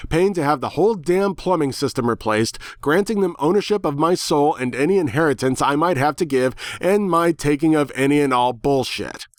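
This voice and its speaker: A man narrating a first-person story dramatically, with sardonic, expressive delivery, recorded close in a dry space. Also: on the high side, no echo. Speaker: fan fiction narrator.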